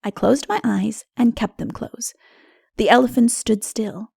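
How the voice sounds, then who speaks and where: Female audiobook narrator, heavy vocal fry, highish pitch, measured dramatic delivery, close dry sound. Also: fairly even intonation, dark tone, no echo. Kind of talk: dramatic literary narration of dark fantasy.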